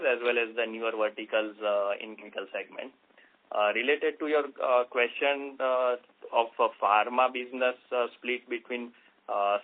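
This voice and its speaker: An Indian man, a company executive, answering on an earnings call with formal, halting phrasing over a conference phone line. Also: medium pitch. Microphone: telephone conference line.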